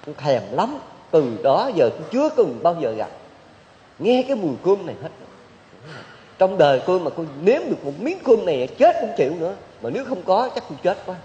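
A man's voice: sits high, sing-song, a little fast, mellow, pitched above the performer's own voice. A man voicing a poor country man who pleads for a taste of rice. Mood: pleading. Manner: pleading, longing. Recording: dull hall recording with long reverb.

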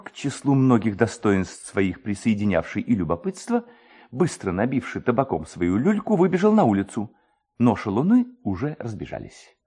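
A man narrating a literary story with expressive, theatrical phrasing. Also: fairly low pitch, breathy edge. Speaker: narrator, reader.

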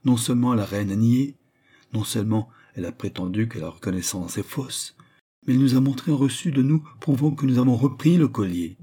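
A man's voice: mid-range voice, fairly quick, mellow, husky, close to an everyday voice. A man voicing an anxious, pleading male court jeweler with an insistent manner.

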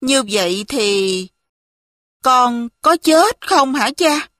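Brief: a woman playing a frightened young girl, high voice, tearful pleading, dry close sound. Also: lively intonation, extremely slow, fairly bright tone, dry recording, heavily acted.

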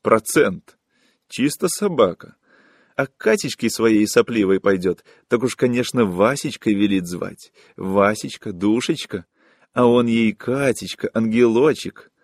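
A man voicing a coarse, hostile young woman who mocks and scolds in shrill, harsh taunts. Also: lively intonation, unhurried, no room sound, clean studio sound. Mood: mocking.

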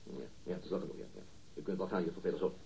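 A man's voice: sits low, steady tone, very fast, mellow, a little hiss or hum. An actor in a radio drama playing a stern male interrogator with a curt, cold manner. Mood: stern, dismissive. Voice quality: husky. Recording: dull, lo-fi radio sound.

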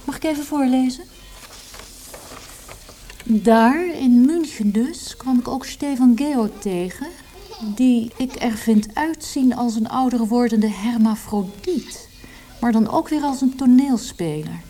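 An actress playing a down-to-earth, questioning wife in naturalistic radio play dialogue, matter-of-fact in manner. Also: female voice, on the high side, slow pace, warm tone. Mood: casual, curious. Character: probing, down-to-earth wife of a troubled poet.

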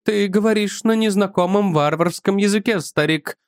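A man's voice: high-pitched, normal speed, dry recording, studio quality, pitched above the performer's own voice. A man voicing a dreamy, capricious young woman, a sacred courtesan, in an audiobook. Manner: wondering, capricious. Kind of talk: audiobook character voice.

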